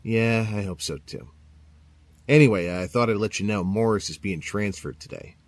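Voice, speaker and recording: An actor playing a plain-spoken police captain in an audio drama, reserved and matter-of-fact. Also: male voice, fairly low pitch, normal speed, dry recording, natural voice.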